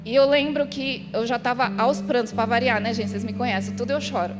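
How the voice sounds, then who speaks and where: A Brazilian woman pastor delivers a sermon in a bright, high voice, telling a personal story and acting it out with lively gestures in her speech. Her voice rings through a large church hall with a long echo, and music plays clearly underneath. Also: fairly quick. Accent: Brazilian Portuguese. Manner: storytelling, animated, acts out scenes and dialogue.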